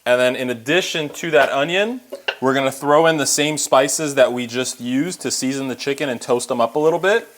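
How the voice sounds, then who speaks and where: Here a home cook presents a recipe, his voice medium in pitch, brisk and fairly bright. He talks directly to viewers in a casual, chatty way, explaining every step as he goes.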